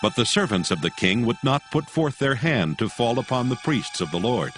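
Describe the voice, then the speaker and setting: Deep-ish guy narrating bible drama, expressive ups and downs, music behind him. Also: normal speed. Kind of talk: scripted scripture narration.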